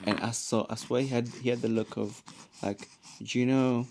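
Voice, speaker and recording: Young dad co-host, mid-pitched, relaxed, stop-start chat. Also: male voice. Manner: halting, restarts a lot, mellow. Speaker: father, co-host. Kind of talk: casual chat.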